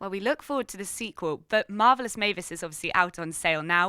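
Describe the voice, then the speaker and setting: Recorded very cleanly against a silent background, with a dry, close sound and no echo, a normal speaking voice moves at a fairly quick pace with lively intonation. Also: woman. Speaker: interviewer. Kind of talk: interview question.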